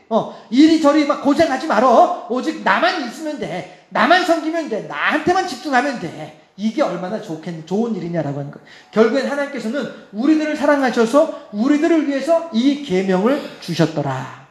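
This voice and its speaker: Male pastor, chatty preacher with frequent laughs and rhetorical questions, voice pitched very high, recorded in a roomy sanctuary. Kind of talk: sermon. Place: church sanctuary. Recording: echoey church hall.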